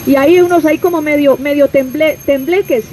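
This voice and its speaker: A woman's voice: sits high, a little fast, dark tone, a little hiss or hum, poor audio. A Colombian woman preaching an open-air street sermon, pressing her listeners with rhetorical questions and direct address. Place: outdoors on a city street.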